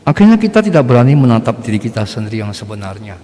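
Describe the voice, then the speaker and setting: Middle-aged priest, outspoken homily with rhetorical questions, average pitch, reverberant church sound. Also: male voice, very animated, rapid-fire, mellow. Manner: blunt, conversational, rhetorical questions. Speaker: Catholic priest. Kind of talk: sermon.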